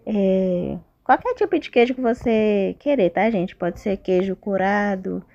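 A Brazilian woman talks through a home recipe in an informal, chatty style. Her voice sits at a medium pitch. She keeps turning to her listeners with little check-in questions as she explains. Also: lively intonation, a little slow, vocal fry, warm tone, muffled recording. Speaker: home cooking vlogger. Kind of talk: casual recipe narration.

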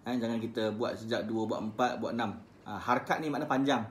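A man with a Malaysian Malay accent teaching Quran recitation on a live stream. He chants verses slowly, then corrects pronunciation in quick, casual asides. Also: on the low side, echoey room. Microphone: phone live stream.

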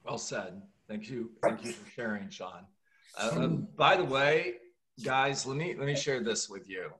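A middle-aged man hosting a group meeting, speaking deliberately and repeating words as he encourages the group. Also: mid-range voice, expressive, fairly bright tone. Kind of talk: motivational group facilitation. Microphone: computer mic on a video call, no headset.

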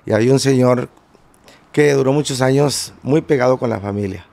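Brief: male guest musician, gravelly texture, rambling storyteller. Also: mid-range voice, fairly quick, a little mellow. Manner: rambling anecdotes with many fillers and restarts. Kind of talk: casual interview storytelling.

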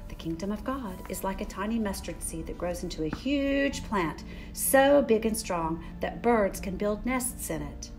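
An older woman hosting a children's story time, speaking in a gentle, deliberate way for young listeners. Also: medium pitch. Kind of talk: children's story time, picture book read-aloud. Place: furnished room in a church building.

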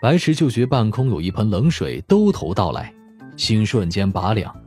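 A man's voice: on the low side, very animated, normal speed, darkish tone, faint music behind. A man reading a dramatic scripted audiobook narration.

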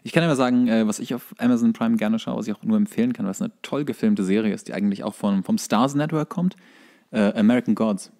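A man's voice: on the low side, creaky, a little mellow. A man co-hosting a podcast, chatting casually with a wry, joking manner. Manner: wry, quick to interject quips. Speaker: podcast co-host. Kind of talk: casual joking chat about TV series.

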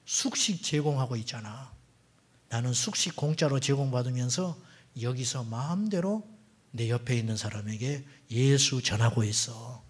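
A man's voice: mid-range voice, normal speed, slightly rough, lightly acted. A man voicing an imprisoned Christian nobleman who answers his jailer with bold, matter-of-fact retorts. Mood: defiant.

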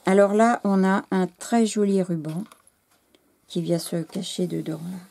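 French woman, gravelly low voice, mellow and husky, gushing, halting, losing her voice. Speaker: scrapbooking channel host. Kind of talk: casual unboxing chat to camera.

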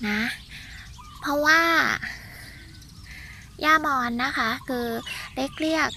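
A woman's voice: sits high, fairly even intonation, takes it slowly, noisy background. A woman with an Isan accent giving a chatty walking tour of her vegetable garden, exclaiming and talking straight to her viewers.

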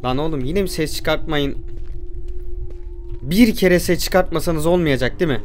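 Over faint music, a man with a slightly high voice speaks at a moderate pace while playing and commentating a horror game. Easily startled, he answers the game back and swears jokingly.

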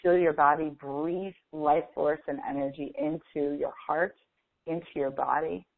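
A woman leading a guided meditation as a coach, speaking in a slow, deliberate, instructive manner with long pauses. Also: low-pitched, steady tone, gravelly, no echo. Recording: phone-like thin, band-limited audio.

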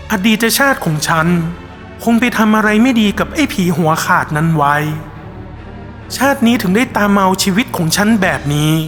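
Man, high voice, somber ghost story narration, measured, long reverb, soft background music. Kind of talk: scripted horror narration.

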